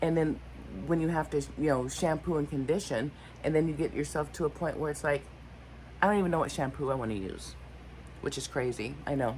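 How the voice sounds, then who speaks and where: A woman's very deep, low voice with vocal fry, ordinary pitch variation, a fairly quick pace and long, frequent pauses. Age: 60s. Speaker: vlogger. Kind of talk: casual chat. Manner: halting.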